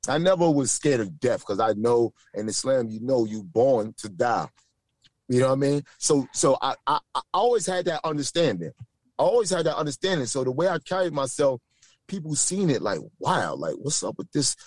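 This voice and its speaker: A man's voice: medium pitch, normal speed, dry recording. A man with a Brooklyn New York accent, a podcast guest, talking about his past in a loose, repetitive way with many restarts and fillers. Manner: repeats himself, stacks fillers and restarts, animated. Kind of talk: casual interview storytelling.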